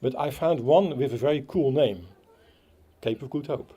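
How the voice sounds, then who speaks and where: Dutch-accented man with a mellow voice. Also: mid-range voice, breathy edge. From Netherlands. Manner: halting, many fillers and restarts. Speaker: Rotary club speaker. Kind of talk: outdoor opening speech. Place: outdoor playground.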